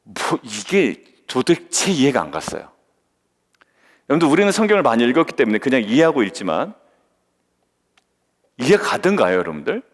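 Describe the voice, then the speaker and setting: In a church sanctuary with a long, hall-like reverb, a pastor gives an early-morning devotional at a moderate pace, leaving long pauses. His mid-range voice swings dramatically in pitch as he questions his listeners and acts out quoted speech.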